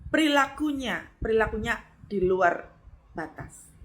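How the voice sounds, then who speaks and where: A middle-aged woman pastor, preaching a lively sermon and acting out voices with sudden high exclamations. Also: unhurried, slight background noise.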